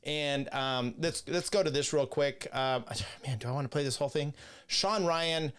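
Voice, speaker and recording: A man with a slightly high voice hosts a casual commentary show, reacting to debate clips. He talks bluntly and mockingly, with frequent laughs. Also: normal speed, fairly bright tone, clear, resonant tone. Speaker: host.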